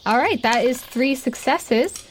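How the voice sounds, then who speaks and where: A woman's voice: sits high, measured pace, slight background noise. A woman narrating a tabletop roleplaying game as game master, describing scenes in a conversational, improvised way.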